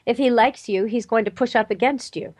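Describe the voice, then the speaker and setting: A woman's voice: fairly high pitch, a little fast, darkish tone, no echo. A woman hosting a radio pet show, asking eager questions and stepping in to clarify points. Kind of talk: casual radio interview.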